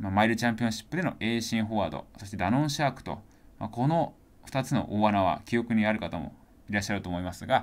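A man's fairly low voice with vocal fry and lively intonation. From Japan, Chiba. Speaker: horse racing YouTuber. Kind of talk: data-driven commentary video. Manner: frequent fillers (えー, まあ).

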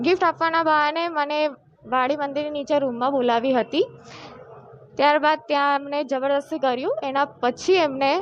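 A woman's high-pitched voice with fairly even intonation, over noticeable background noise. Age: 20s. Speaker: complainant in abuse case. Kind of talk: testimony.

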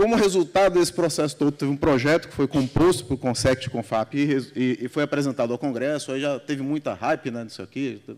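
A quiet backdrop behind speech with ordinary pitch variation. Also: man. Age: 40s. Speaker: university technology transfer coordinator; conference presenter. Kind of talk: conference talk. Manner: halting, many fillers. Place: hall. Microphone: podium.

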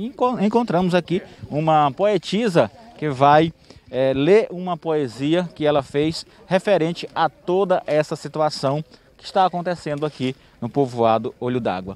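In an ordinary speaking voice, a man with fairly high pitch uses lively intonation, and the sound is dry with no echo. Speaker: reporter. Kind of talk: casual street interview. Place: open country. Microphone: handheld.

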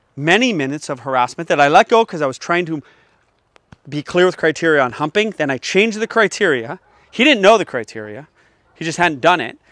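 Loud and bright with a sharp tone, a man speaks at a fairly quick pace with lively intonation, in a dry sound with no echo over a quiet background. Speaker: dog trainer. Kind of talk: tutorial. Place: garden.

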